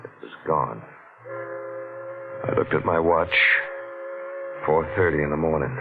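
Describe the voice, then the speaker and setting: An actor playing a tough, slangy police detective in a 1940s radio crime drama. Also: male voice, a bass voice, measured pace, gravelly, noisy background, exaggerated voice. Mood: grim. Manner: clipped, slangy, hardboiled. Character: tough, slangy, edgy police detective narrating his case. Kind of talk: 1940s hardboiled radio acting, narration and dialogue. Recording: muffled old radio recording with loud music.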